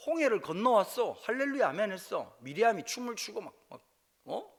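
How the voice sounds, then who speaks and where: A male pastor from Busan, preaching a revival sermon in a church with humor, moving between quiet asides and loud exclamations. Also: high-pitched, sing-song, a little fast. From Busan, South Korea. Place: church sanctuary.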